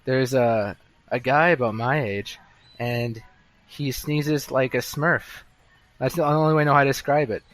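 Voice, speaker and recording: A man's voice: medium pitch, steady tone, unhurried, fairly bright tone. Rambling young man telling stories at a pub. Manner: rambling, self-interrupting storyteller. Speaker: podcast co-host. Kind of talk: casual chat. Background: bar chatter.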